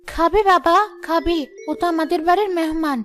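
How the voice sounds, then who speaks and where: Brief: a woman as a gentle village mother for a cartoon, very high voice. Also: normal speed, soft background music. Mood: reassuring. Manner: soothing, reassuring. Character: kind village mother, patient and pious.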